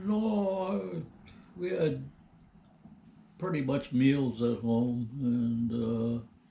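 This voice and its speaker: A man speaking very slowly with long, frequent pauses, very wide pitch swings and a dark, mellow, somewhat breathy tone. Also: medium pitch for a man. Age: 90s. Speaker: war veteran. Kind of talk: interview answer.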